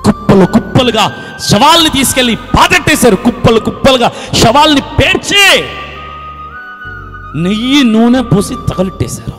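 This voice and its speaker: Male preacher, fiery and emphatic, animated high delivery; reverberant hall with faint music. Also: normal speed. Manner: fiery, emphatic, repetitive, often shouting. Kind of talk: sermon.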